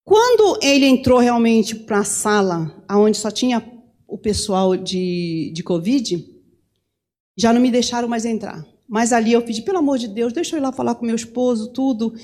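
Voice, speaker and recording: A woman's voice: a little high, animated, moderate pace, darkish tone. A middle-aged woman preacher giving an impassioned sermon testimony, her voice rising when she pleads.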